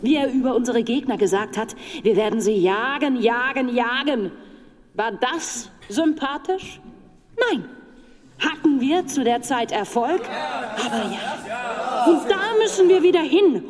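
A woman's voice: on the high side, animated, a little slow, darkish tone. An actress playing a provocative woman in her thirties giving a sarcastic, emphatic political speech in a radio drama. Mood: provocative, rousing. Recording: echoing large hall with crowd.

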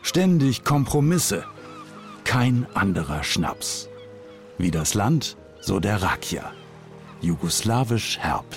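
A man's voice: fairly low pitch, big pitch swings, slow pace, long pauses, over music, exaggerated voice. A man playing the solemn, macho voice of a schnapps advert, speaking in clipped slogans. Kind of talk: slogan-style radio ad parody.

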